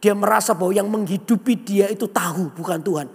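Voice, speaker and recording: Animated high-voiced man preaching in a hall. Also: a little fast, husky. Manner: animated storytelling, voices characters, asks congregation. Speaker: pastor. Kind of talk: sermon with acted-out story. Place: large church hall. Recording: long hall reverb.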